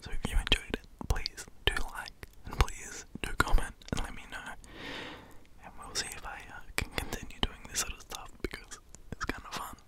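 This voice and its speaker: An Australian man with a deep, gravelly voice, telling a story to listeners. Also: moderate pace, pushed and bright, whispered, poor audio. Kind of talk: dramatic storybook narration.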